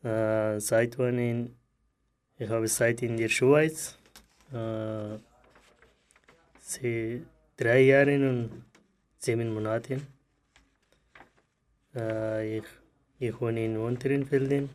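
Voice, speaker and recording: A man from Afghanistan speaks very slowly and haltingly, with frequent fillers and restarts. His voice is smooth and clear, and his pitch stays flat and even. He is recorded in a radio studio. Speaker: radio show participant. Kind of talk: halting spoken account.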